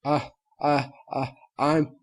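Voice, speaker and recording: A man's voice: on the high side, flat delivery, takes it slowly, voice pushed up. A man voicing a farm mare who hides her country ways behind stiff, put-on politeness, in a storybook reading. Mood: panicked. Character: down-to-earth farm mare faking city manners.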